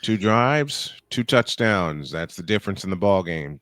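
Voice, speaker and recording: A young man calls football action in a measured play-by-play style. His voice sits low and sounds smooth and clean. The sound is dry and close. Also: expressive, a bit bright, no room sound. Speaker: play-by-play commentator. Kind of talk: live sports commentary.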